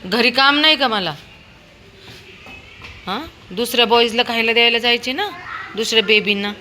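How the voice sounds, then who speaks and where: A woman's voice: on the high side, moderate pace, noisy background. A woman chatting casually while walking a dog outdoors on a sunny street, calling out in a coaxing, sing-song way to a toddler and the dogs. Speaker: dog owner vlogger.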